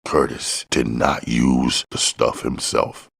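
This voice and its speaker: A man's voice: rumbling low, little pitch movement, slow, vocal fry, a bit bright. A man reading crime fiction aloud as scripted audiobook narration.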